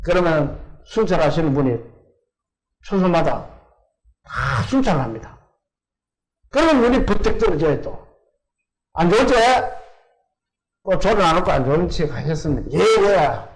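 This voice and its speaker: A man's voice: on the high side, sing-song, normal speed, pauses often, poor audio. An older man from South Korea, preaching a sermon in church and putting questions to his congregation. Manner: asks the congregation questions and answers them himself. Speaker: pastor.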